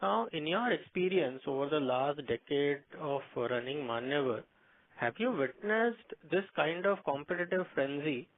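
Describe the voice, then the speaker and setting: A man with an Indian accent, an analyst politely and somewhat hesitantly asking a question on an earnings call. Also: fairly high pitch. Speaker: financial analyst. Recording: narrow tinny phone line.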